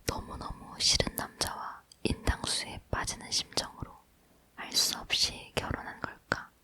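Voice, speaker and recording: A woman reading a book aloud as ASMR, leaning in to whisper closely and breathily into a near microphone. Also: pushed and bright. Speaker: ASMR reader.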